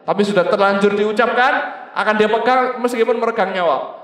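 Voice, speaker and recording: A man's voice: high voice, fairly quick, a bit bright. A man giving a Quran commentary lecture in a mosque, asking rhetorical questions and answering them himself. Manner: addresses the audience directly. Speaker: preacher. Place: mosque hall. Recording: echoey hall with long reverb.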